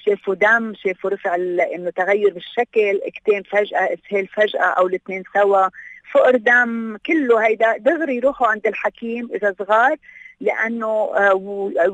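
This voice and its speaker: Quick-talking Lebanese woman, dull recording. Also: mid-range voice, dry recording. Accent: Lebanese Levantine Arabic. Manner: mixes in English words. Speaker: guest, health awareness association representative. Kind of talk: radio interview, explanatory talk.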